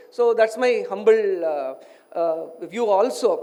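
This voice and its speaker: Over noticeable background noise, a man speaks with an Indian accent. His high pitch shows ordinary variation. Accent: Indian English (Tamil). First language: Tamil. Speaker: yoga scholar. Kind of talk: panel talk. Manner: halting, many fillers.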